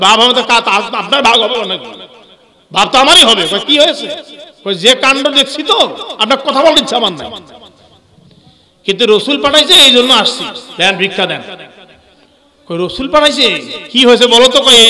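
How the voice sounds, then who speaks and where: A man preaches in a high, piercingly bright voice that carries a long hall echo. He tells the story with lively acted-out dialogue and keeps calling on the crowd to cheer. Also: fairly quick. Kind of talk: sermon storytelling at a religious gathering.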